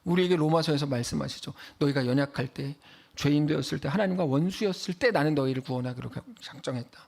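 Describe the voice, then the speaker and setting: A man preaching a Sunday sermon as pastor, acting out quoted voices and dropping to a hush for emphasis. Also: fairly high pitch, quick pace, creaky.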